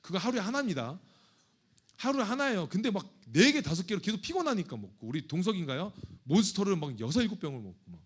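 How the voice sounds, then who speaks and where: A man's voice: sits high, very animated, fast talker, slightly rough. A male pastor preaching a sermon in a conversational, joking and confessional manner. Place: church sanctuary.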